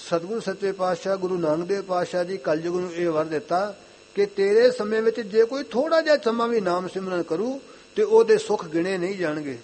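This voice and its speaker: A young man with a high voice delivers an earnest Sikh sermon, circling back over his own phrases. He slows into a chanting cadence whenever he recites scripture. A faint hum sits under the recording. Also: darkish tone. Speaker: Sikh preacher.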